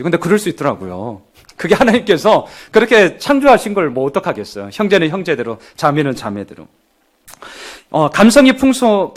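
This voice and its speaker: A man preaching a sermon as pastor to his congregation, animated and acting out the voices of townspeople as he goes. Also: fairly high pitch. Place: church sanctuary with congregation.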